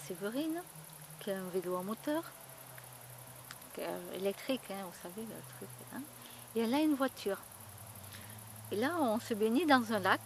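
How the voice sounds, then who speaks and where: A woman's voice: medium pitch, a little hiss or hum. A woman vlogging in a casual, rambling chat, full of fillers and repeated words. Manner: chatty, rambling storytelling with many fillers and repeats.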